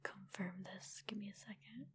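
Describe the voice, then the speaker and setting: A woman chatting casually in a soft, breathy ASMR whisper, informal and rambling, close to the microphone. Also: mid-range voice, fairly even intonation, moderate pace, dry recording. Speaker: ASMR creator and streamer answering viewer comments.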